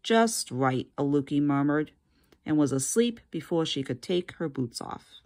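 Low-voiced woman reading a storybook aloud. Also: normal speed. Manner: expressive reading.

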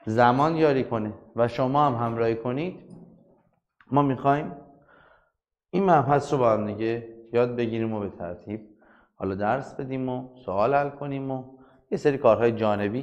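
A soft-spoken man teaching physics in an online class, chatting directly to his students. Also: medium pitch, muffled recording.

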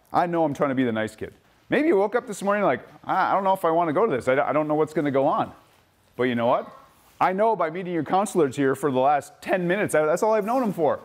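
A man talks to children at a safety camp, warm in his encouragement and acting out the kids in his story. His voice is slightly high and swings widely in pitch, rising for excitement and sinking for the quieter moments. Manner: animated storytelling, acts out kids' voices. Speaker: camp speaker. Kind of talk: motivational talk to kids. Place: outdoor camp event.

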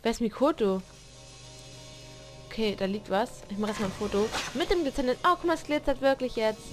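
A woman's voice: on the high side, a little fast, music in the background. A woman giving unscripted commentary on a horror game she plays blind, jumpy, exclaiming, cussing and talking back to the characters. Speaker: let's player.

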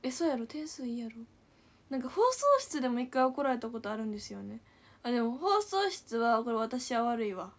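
Lively young woman with Kansai accent. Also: on the high side, a little fast. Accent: Kansai Japanese. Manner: animated, giggly storytelling. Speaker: idol livestreamer. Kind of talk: casual storytelling to viewers.

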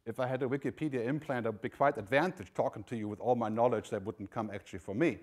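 A man from Germany speaks from the stage of a large hall, giving a keynote at an ordinary middle pitch. He keeps it conversational, dropping in "you know" and "right?" as he goes. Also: quick pace, a little mellow. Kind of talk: conference keynote talk.

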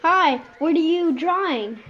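A woman's voice: very high-pitched, lively intonation, measured pace, a bit bright, exaggerated voice. A woman voicing a friendly, polite young child pony in an amateur cartoon, childlike, on a lo-fi recording.

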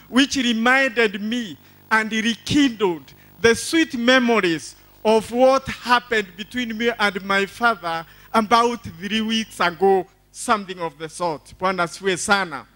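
An older Kenyan man addresses a church congregation with exuberant, declamatory delivery. His voice is high and bright, and he takes his time, repeating phrases to drive them home. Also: a little slow. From Embu County, Kenya. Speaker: church testimony speaker. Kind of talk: church testimony, preaching to a congregation. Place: large church hall stage. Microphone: handheld microphone.

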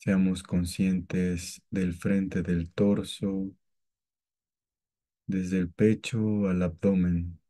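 A man guiding a meditation with calm, gentle, scripted instructions and long pauses between phrases. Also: sits low. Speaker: meditation guide.

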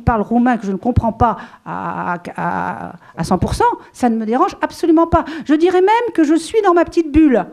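High-voiced woman with a handheld mic. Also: darkish tone. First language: French. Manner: rambling, many fillers and restarts, light laughs. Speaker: author at a book event. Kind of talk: casual spoken talk to an audience. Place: small room with a seated audience.

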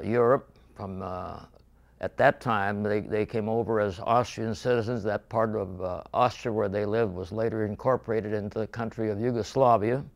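An older man from western Pennsylvania, seated in a studio, recounting his memories in a measured, halting way with many pauses. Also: lowish voice. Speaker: veteran interviewee. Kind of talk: recorded oral history interview. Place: indoor studio with painted backdrop.

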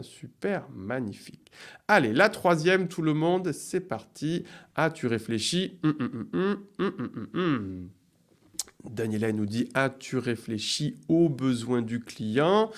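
A middle-aged man leads a live online grammar lesson from a small room at his desk webcam. He speaks in an unhurried, deliberate way, stretching out each example sentence. His pitch sits in a plain middle range, and he keeps up bright, encouraging praise. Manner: slow, deliberate, drawn-out delivery of example sentences; upbeat praise, playful sound effects. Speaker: French teacher.

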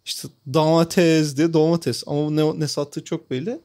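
Podcast ortak sunucusu, ince sesli bir erkek; gündelik sohbette komik anılarını anlatıyor, sık sık gülüyor. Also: male voice, fairly high pitch, steady tone, normal speed, mellow. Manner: storytelling, laughs often. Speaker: podcast co-host. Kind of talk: casual chat, funny anecdote.

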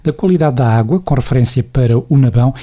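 Guy reading news voiceover quick, husky and darkish. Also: medium pitch, warm tone. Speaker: news narrator. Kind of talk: scripted news voice-over.

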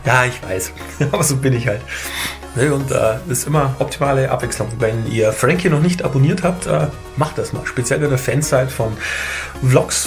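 A man in his thirties chatting casually to his viewers as a motovlogger, in a relaxed way. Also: mid-range voice. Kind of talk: casual vlog narration.

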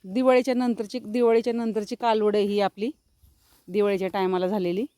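A woman's voice: mid-range voice, level tone, brisk, dark tone, clean tone, dry recording. A woman vlogger, chatting casually as she walks around her farm showing trees and cattle. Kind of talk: casual walk-around vlog narration. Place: outdoors on a rural farm among trees and cattle.

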